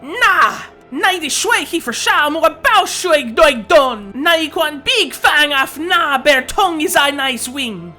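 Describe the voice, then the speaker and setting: A man voicing dramatic animated fantasy characters in a constructed language, with a theatrical delivery. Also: extremely high pitch, takes it slowly, hardly any pauses, pitched above the performer's own voice, full character voice. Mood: shrill, intense. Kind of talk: dramatic reenactment of cartoon dialogue. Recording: music behind the voice. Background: music.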